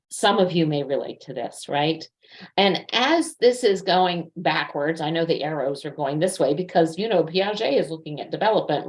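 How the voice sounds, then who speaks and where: A woman with a low-pitched voice presents in an informal, educational style. She talks conversationally, like a coach explaining things from her own experience. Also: a little mellow. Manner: conversational, illustrates points with personal anecdotes.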